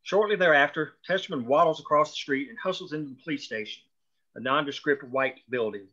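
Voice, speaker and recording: A man's voice: on the high side, a little fast, pushed and bright. A man reading screenplay stage directions as scripted narration at a table read, on dull lo-fi audio.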